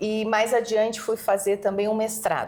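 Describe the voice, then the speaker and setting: The speaker has a Rio Grande do Sul accent. The pace is fairly slow. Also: woman. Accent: gaúcho (Rio Grande do Sul) accent, noticeable. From southern Brazil, Porto Alegre. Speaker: lawyer and conflict mediator. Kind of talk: interview.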